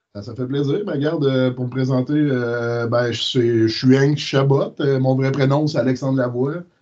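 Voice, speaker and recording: A man with a Quebec accent, dark and mellow in tone, medium in pitch, at a moderate pace with fairly even intonation and hardly any pauses. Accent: Québécois French. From Quebec, Quebec City area. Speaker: pro wrestler. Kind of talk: interview. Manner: hesitant, many fillers.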